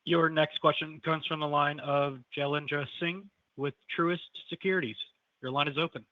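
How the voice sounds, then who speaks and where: Higher-pitched male operator on a phone line. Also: fairly even intonation, moderate pace, dry recording. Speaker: conference call operator. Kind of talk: scripted announcement. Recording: dry, narrow phone-like line.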